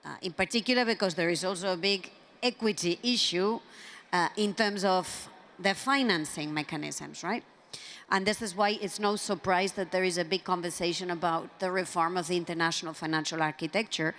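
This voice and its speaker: A woman's voice: on the low side, fairly bright tone, a little hiss or hum. Woman speaking at a policy panel. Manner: measured, with many fillers and restarts. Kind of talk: panel discussion remarks. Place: conference hall.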